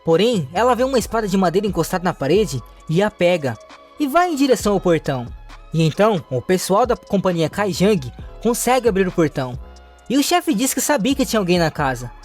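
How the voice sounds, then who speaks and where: A man with a Brazilian Portuguese accent, narrating a comic story recap in a steady, plain third-person retelling. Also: high voice.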